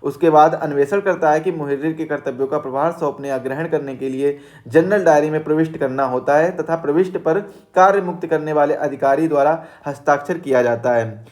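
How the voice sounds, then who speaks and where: Higher-voiced man reading exam notes. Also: a little fast, a little mellow. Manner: reads formal text, restarts words, adds reminders to remember. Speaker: exam coaching teacher. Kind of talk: reading and explaining study notes.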